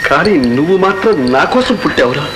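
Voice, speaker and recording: A man acting a drunken, warm-hearted rich young gentleman with rambling speech in a Telugu film drama. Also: high-pitched, sing-song, fast, noisy background. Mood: drunk, sentimental. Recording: echoey old film soundtrack with music.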